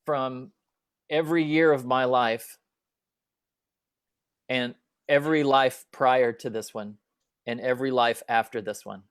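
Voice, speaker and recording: A man telling a personal story as a guest speaker at an online talk, halting with many fillers and restarts, over a video call. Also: mid-range voice, smooth, no room sound, clean studio sound.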